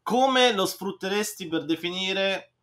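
A man's voice: high-pitched, a little slow, sharp tone. A man hosting a casual interview over a video call. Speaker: host. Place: indoor room with bookshelves. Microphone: shared video-call mic at table distance.

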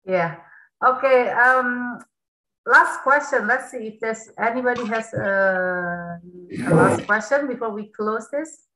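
A woman's voice: fairly high pitch, slow pace, pushed and bright, reverberant, poor audio. A woman, hosting a webinar for kids and explaining things in a friendly way. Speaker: workshop host. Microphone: video call.

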